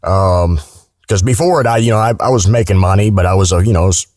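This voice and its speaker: A man's voice: low-pitched, quick pace, darkish tone, no room sound, studio quality. An American man talking casually as an interview guest, with a blunt, salty, informal way of speaking. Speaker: guest, video game voice actor.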